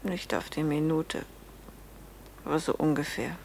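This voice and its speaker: An actress playing a guarded innkeeper's wife under questioning in a radio crime drama, terse, controlled and defiant. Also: female voice, sits low, measured pace, gravelly, darkish tone, slight background noise. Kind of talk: German radio play acting.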